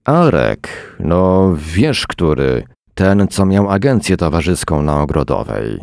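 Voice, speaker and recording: A man's voice: deep voice, very animated, takes it slowly, gravelly, a little mellow, dry recording, studio quality, exaggerated voice. A man voicing a blunt, swearing middle-aged man who grumbles about the state of things, read as part of a story. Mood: irritated. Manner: irritated, swearing.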